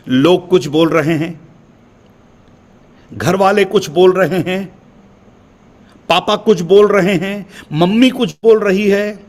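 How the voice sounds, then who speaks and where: A male pastor from India delivering a sermon with emphatic repeated refrains, calling his listeners beloved. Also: sits high. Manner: addresses listeners as beloved brothers and sisters.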